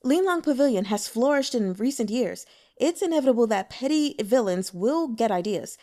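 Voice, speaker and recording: A female reader plays a male broker in a storybook tale, always defending himself. His speech is formal and protesting, raised in pitch with lively swings. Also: normal speed, natural voice. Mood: polite. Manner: protesting, formal, stammers when flustered. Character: self-justifying male head broker, polite but indignant.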